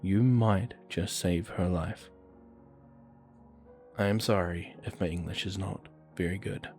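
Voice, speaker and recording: A man with a very low voice reads true creepy stories aloud. His delivery is steady and measured. Faint music plays beneath him. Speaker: narrator. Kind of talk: reading horror stories aloud.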